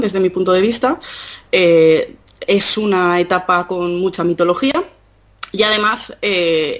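A woman guest on a podcast chatting casually about comics, pausing often with fillers. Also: on the low side. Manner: thoughtful, hesitant with many fillers.

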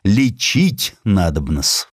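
Guy doing a bossy 1800s doctor teaching students, low voice, slow emphatic points, swings a lot. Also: very animated, slightly rough, no room sound, studio quality, full character voice. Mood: pointed, assured. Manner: emphatic, deliberate, didactic. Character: opinionated, commanding 19th-century male doctor lecturing his students.

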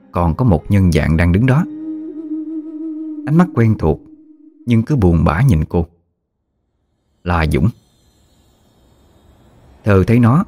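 A man narrating a ghost story in a measured, hushed way. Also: deep voice.

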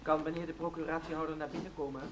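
Man playing brisk, flustered, demanding father. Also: fairly high pitch, little pitch movement, a little hiss or hum, lightly acted, low-quality recording. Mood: deferential. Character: flustered, demanding older father, deferential to visitors. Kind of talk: radio drama acting.

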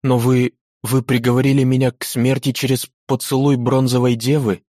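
A man's voice: mid-range voice, flat delivery, moderate pace, warm tone, no room sound, clean studio sound, voice pushed up, natural voice. A man voicing a young nobleman condemned to death, frantic and pleading. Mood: terrified. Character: young desperate nobleman facing execution.

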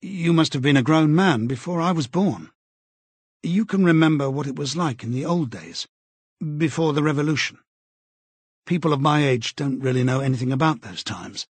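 A careful, earnest middle-aged man, voiced by a male narrator. He talks in a measured, tentative way with a slightly husky tone. The sound is close and dry, with no room. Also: a little high, dry recording. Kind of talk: audiobook character voice.

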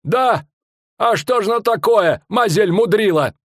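A boastful, bellowing fairground barker with rustic old-fashioned speech, drawing out his words to draw a crowd. His voice sits very high and swings wildly up and down. The sound is dry and close. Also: animated, dry recording. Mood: indignant. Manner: bellowing, drawn-out showman's patter. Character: loud middle-aged male fairground barker, boastful.

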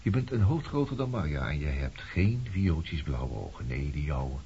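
A man's voice: very deep voice, very animated, normal speed, dark tone, heavily acted. An actor in a Dutch radio play playing a sardonic man back from the past, coolly needling and provoking. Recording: dull, noisy old radio play recording.

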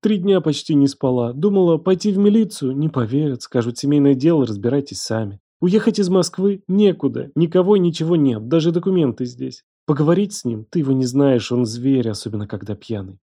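A man's voice: mid-range voice, lively intonation, brisk, few pauses, warm tone, voice pushed up. A man voicing a desperate, frightened young woman who pleads tearfully. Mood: pleading.

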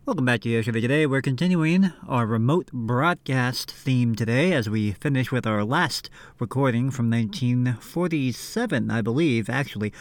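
A man's voice: mid-range voice, lively intonation, normal speed, few pauses, dry recording. A man hosting a radio show, casually introducing old recordings.

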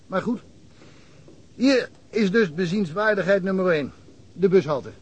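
A wry, chatty small-town cop. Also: male voice, high-pitched, expressive, unhurried, a little mellow, husky, full character voice. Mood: amused, chatty. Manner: talkative, wry storyteller, chuckles often. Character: chatty provincial cop, male, middle-aged, wry. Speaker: local police detective. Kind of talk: radio drama acting.

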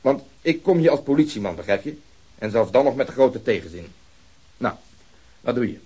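A sarcastic police detective. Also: male voice, mid-range voice, lively intonation, normal speed, warm tone, breathy edge. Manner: sarcastic, sharply ironic. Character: sardonic, pointed male police detective. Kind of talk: radio drama acting.

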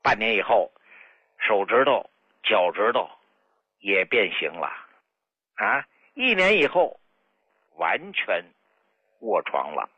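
A man's voice: fairly low pitch, sing-song, takes it slowly, pauses often, husky, no room sound. An older man, a traditional medicine doctor telling a patient's story on a radio health show in a folksy, dramatic way. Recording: dull lo-fi radio broadcast.

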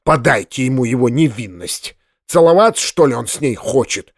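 A man's voice: mid-range voice, lively intonation, moderate pace, no room sound, clean studio sound. A man voicing an indignant, grumpy landowner who mutters under his breath, in an audiobook. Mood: grumbling, indignant.

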